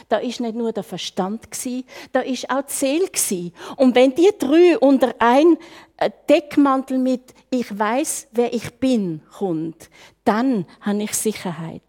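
Older woman, Swiss German accent, preacher, bright and lively pitch, chatty sermon. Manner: lively, conversational, with rhetorical questions.

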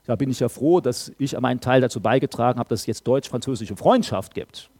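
A man's voice: mid-range voice, fairly quick, darkish tone. A middle-aged man preaching a sermon in an emphatic way, full of rhetorical questions. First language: German speaker married to a Frenchwoman.

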